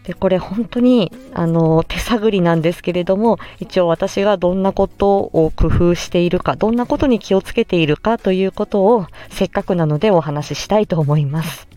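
A woman speech therapist chatting through an explanation in a casual podcast, lively and full of little hesitations. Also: fairly low pitch, moderate pace, few pauses.

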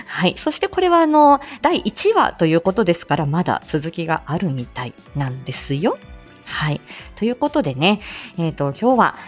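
A woman's voice: fairly low pitch, sing-song, normal speed, faint music behind. A woman hosting a live stream, chatting casually with frequent laughter and many fillers. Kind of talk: casual chat.

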